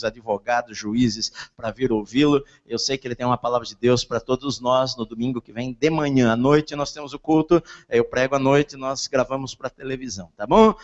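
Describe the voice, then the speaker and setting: Brazilian pastor preaching with a barely opened mouth. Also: male voice, medium pitch. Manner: talks with mouth barely open. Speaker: pastor preaching at a church service. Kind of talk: sermon. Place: large indoor church hall during a service. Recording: muffled, reverberant large church hall.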